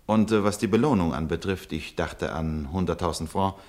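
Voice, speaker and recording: A man playing a cold, condescending wartime officer in a German radio play, formal, officious and smoothly evasive. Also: sits low, normal speed, a little mellow, natural voice. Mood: smoothly official.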